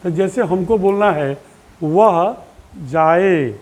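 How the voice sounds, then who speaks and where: Male teacher, high voice, unhurried, drills forms aloud and quizzes pupils. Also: darkish tone. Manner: patient, repeats drill forms aloud slowly; asks questions of pupils. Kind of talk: online classroom lesson.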